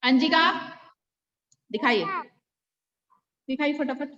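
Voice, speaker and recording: High-voiced Indian woman teaching online. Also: takes it slowly, a bit bright, muffled recording. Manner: corrects pupils patiently, calls them by name. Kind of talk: online class checking homework. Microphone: video call.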